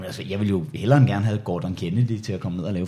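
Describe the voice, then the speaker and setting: At a very fast pace, a man talks in a fairly low, somewhat breathy voice with ordinary pitch variation. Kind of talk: casual banter.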